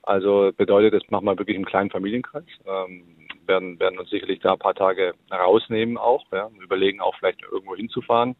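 A man talking casually as a phone guest on a podcast, relaxed and filler-heavy. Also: deep voice, fast, no echo. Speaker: phone guest, football club sports director. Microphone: phone line. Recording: tinny phone line.

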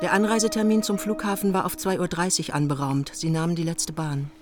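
A woman's voice: on the low side, steady tone, fairly quick, a little mellow, faint music behind, close to an everyday voice. A woman playing a detached, matter-of-fact literary narrator in a radio drama, reading precisely.

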